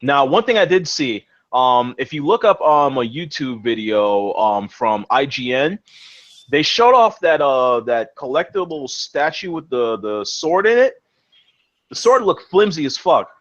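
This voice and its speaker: A young man hosting a casual gaming podcast, talking excitedly, swearing freely and repeating his words as he goes. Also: medium pitch, unhurried, lo-fi sound. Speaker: podcast host.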